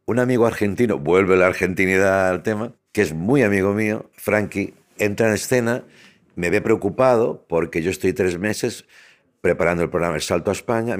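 Deep-voiced Catalan man telling stories. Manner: animated storyteller who acts out quoted voices. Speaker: interviewee, TV entertainer. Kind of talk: storytelling in an interview.

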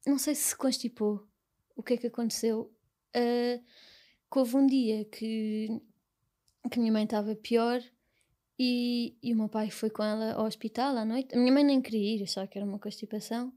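A young woman with a European Portuguese accent, speaking as an interview guest in a soft, halting, reflective way. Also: on the high side. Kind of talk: personal conversation.

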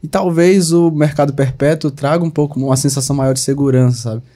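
A man from northeast Brazil hosting a podcast, asking questions in a relaxed, chatty way. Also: fairly high pitch. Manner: relaxed, asks questions with quick reactions. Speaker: podcast host. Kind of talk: casual interview.

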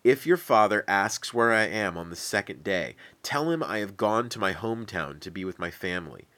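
A man's voice: on the low side, expressive, normal speed, fairly bright tone. A man voicing a frightened young man who speaks urgently and pleadingly. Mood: planning. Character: frightened young male hero in hiding.

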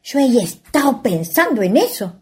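A woman playing a cautious, scolding country ghost with a husky voice and a Chilean accent, speaking rural colloquial speech in a radio play. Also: a little high, sing-song, moderate pace, dark tone, exaggerated voice. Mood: resigned, advising. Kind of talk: radio theatre acting.

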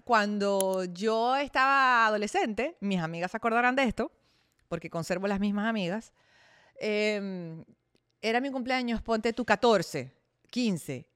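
A woman's voice: a little high, a bit bright, no echo, clean studio sound. A woman in her thirties hosting her own podcast, talking candidly and chattily about her life and sometimes acting out her own thoughts. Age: 30s. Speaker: podcast host. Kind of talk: casual personal monologue.

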